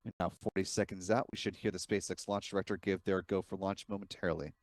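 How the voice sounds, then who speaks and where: A man's voice: low-pitched, flat delivery, fast, no echo. A man giving live, explanatory commentary as host of a launch webcast.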